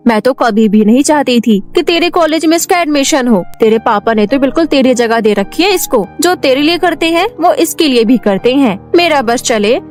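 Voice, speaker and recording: A woman voicing a resentful, mean middle-class aunt in an animated moral story. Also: a little high, close to an everyday voice. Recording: music bed behind the voice.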